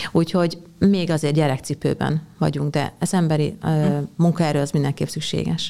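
Very deep, low woman's voice with a dark, mellow tone, vocal fry, monotone, flat intonation and a moderate pace. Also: very even loudness. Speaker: farmer and agricultural blogger. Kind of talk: interview.

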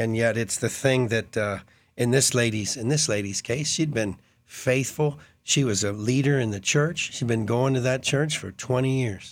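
Over a very clean recording with a silent background, a man with an unremarkable speaking voice talks at a medium pitch and a moderate pace with ordinary pitch variation. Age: 60s. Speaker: missionary. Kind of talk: radio talk show. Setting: studio.

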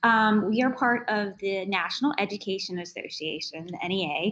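A woman with an American accent and an ordinary speaking voice, at medium pitch and a fairly slow pace with ordinary pitch variation. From Virginia. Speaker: education student, union activist. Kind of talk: interview.

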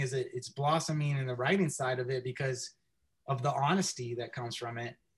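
A man speaks at a fairly quick pace. His voice is fairly high in pitch and somewhat breathy. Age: 30s. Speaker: screenwriter and filmmaker. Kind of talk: casual interview chat. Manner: fast talker, animated.

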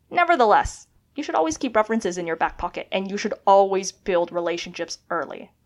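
The speech moves at a very fast pace with a Canadian accent. The intonation is lively. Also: woman, medium pitch for a woman. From Canada. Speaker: law student podcast co-host. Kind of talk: casual chat.

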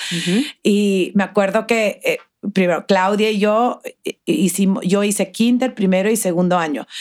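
This is a woman with an unremarkable speaking voice, pitched in the medium range. She speaks fairly slowly, with fairly even intonation and very even loudness. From Mexico–US border, Ciudad Juárez / El Paso. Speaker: fashion magazine editor. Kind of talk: casual interview.

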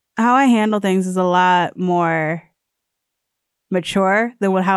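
A woman with an ordinary speaking voice at a medium pitch, with ordinary pitch variation and very even loudness, in a very clean recording with a silent background. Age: 20s. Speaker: podcast co-host. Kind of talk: casual chat. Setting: studio. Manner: laughs often.

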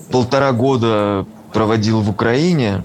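Against noticeable background noise, a man speaks very slowly with ordinary pitch variation. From Russia, Yekaterinburg. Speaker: musician and food courier. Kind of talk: interview storytelling.

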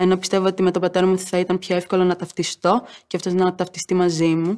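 A woman's fairly low-pitched voice moves at a fairly quick pace. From Greece. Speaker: panel discussion participant. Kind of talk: panel discussion.

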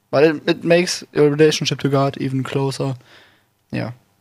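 A man with a German accent speaks with fairly even intonation and long, frequent pauses. The recording is very clean, with a silent background. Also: big swings in loudness. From Germany. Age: young. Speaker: volunteer radio host. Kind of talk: casual chat.

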